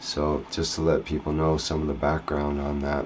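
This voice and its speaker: A man speaks at a fairly slow pace in a very deep, low voice. His intonation is monotone and flat, with noticeable background noise. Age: 60s. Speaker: online group host. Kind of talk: casual chat.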